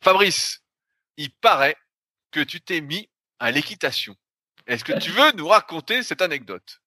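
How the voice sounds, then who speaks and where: A man's voice: fairly high pitch, sing-song, measured pace, pushed and bright, dry recording, clean studio sound. A man hosting a podcast in casual chat, rambling with many fillers and loose slang. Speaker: podcast host.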